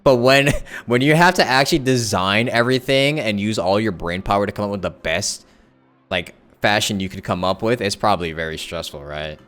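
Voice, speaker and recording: A woman's voice: extremely low pitch, lively intonation, fairly quick, fairly bright tone, faint music behind. A woman giving casual, chatty live commentary as she streams a video game. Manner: chatty, reads and reacts aloud.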